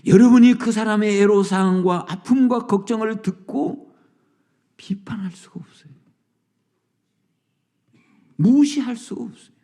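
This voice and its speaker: A male pastor with an extremely high-pitched voice preaches dramatically at an early morning prayer service. He swings between whispered passages and loud proclamations.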